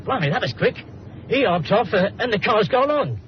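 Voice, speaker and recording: A chirpy, slangy sidekick. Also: male voice, sits high, sing-song, normal speed. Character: cheeky loyal male sidekick, Cockney-flavoured slang. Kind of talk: 1940s radio drama acting. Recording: muffled old radio recording with faint hiss.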